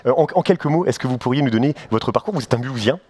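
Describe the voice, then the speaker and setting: A man's voice: mid-range voice, lively intonation, rapid-fire, darkish tone, slight background noise. A man hosting a studio interview, wordy and repeating himself, with many fillers. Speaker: host. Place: studio set with audience.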